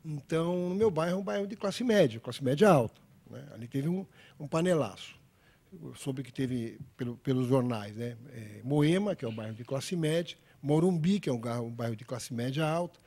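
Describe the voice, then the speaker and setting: A man's voice: medium pitch, expressive, moderate pace, mellow, slightly rough. A man speaking as a sociologist guest on a studio panel talk show, methodical and argumentative. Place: studio table.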